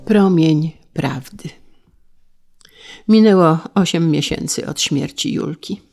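A woman narrating an old novel aloud with steady, expressive storytelling. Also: deep voice, slow, vocal fry, faint music behind. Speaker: audiobook narrator. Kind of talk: dramatic novel reading.

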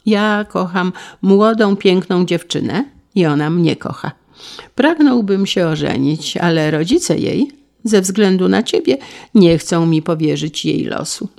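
A woman's voice: lowish voice, animated, unhurried, vocal fry, darkish tone. A woman voicing a desperate young man who pleads with his sister in an impassioned, trembling way, in a dramatized reading. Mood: pleading.

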